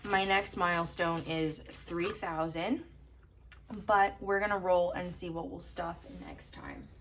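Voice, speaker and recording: A young woman from Canada talks casually and counts cash aloud in a steady rhythm, her voice a little hoarse from a coming cold. She sits a touch low for a woman. A faint hum of room ambience runs underneath. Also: slow. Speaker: budgeting vlogger.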